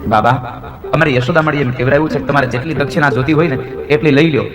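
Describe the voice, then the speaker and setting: A man plays a talkative young village milkmaid in a devotional tale, pleading on and on. The voice sits a little high. Instruments play behind her. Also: racing, over music, natural voice. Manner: pleading, chatty storytelling speech.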